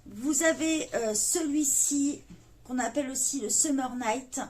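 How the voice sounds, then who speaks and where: A French woman who hosts a YouTube coloring channel talks casually and unhurriedly to her viewers, gentle and earnest, often pausing to search for words with small hesitations. Her voice is slightly higher than most, and the recording has a little hiss or hum.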